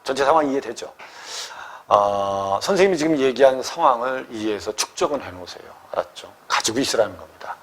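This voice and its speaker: A man's voice: medium pitch, lively intonation, fairly quick, a bit bright. A man teaching a literature lesson for exam prep, often checking that students follow. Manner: keeps checking with students, questioning.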